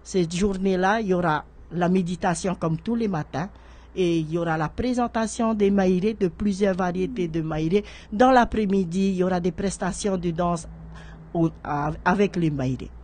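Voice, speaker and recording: A woman's voice: lowish voice, normal speed, darkish tone. Hesitant woman on radio. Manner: hesitant, repeats words while searching for them. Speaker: guest, horticulture association president. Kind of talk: radio studio interview. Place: radio studio. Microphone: studio microphone on a stand.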